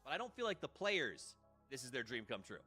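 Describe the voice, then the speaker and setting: Bright, upbeat esports caster. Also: male voice, medium pitch, big pitch swings, brisk, soft background music. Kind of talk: live tournament commentary.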